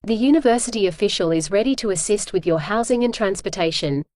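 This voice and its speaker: A woman's voice: medium pitch, animated, quick pace, darkish tone, dry recording, clean studio sound. A woman reading scripted practice sentences aloud for an English exam lesson.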